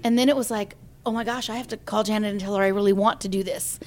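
A woman in her forties talks through a personal story in a relaxed interview, with a voice of ordinary pitch. She brings the tale to life by acting out the people she quotes. It sounds like a singer chatting with friends. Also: fast. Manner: lively storyteller who acts out quoted voices.

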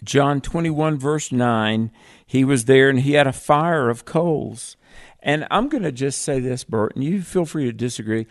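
Male radio Bible co-host, measured and teacherly, cites chapter and verse. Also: medium pitch, animated. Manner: measured, explanatory, scripture-citing. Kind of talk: call-in radio Bible talk.

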